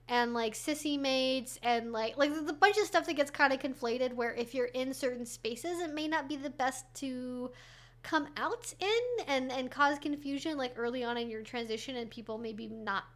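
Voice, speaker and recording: A woman's voice: high-pitched, fairly bright tone. A young woman hosting a casual livestream Q&A, rambling and chatty, answering chat questions with lots of fillers and restarts.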